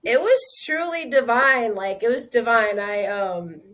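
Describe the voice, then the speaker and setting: A woman speaking as a guest on a podcast interview, animated and loose, with plenty of "like" fillers and quick restarts. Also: on the high side. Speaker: interview guest, outdoor group founder. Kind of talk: casual podcast conversation.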